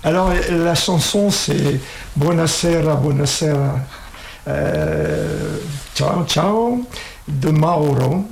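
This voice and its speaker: A man hosting a relaxed interview, speaking in a somewhat high, gravelly voice. He asks friendly questions and often pauses, hesitates and restarts his sentences. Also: a little hiss or hum. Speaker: host interviewing students. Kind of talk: casual radio-style interview.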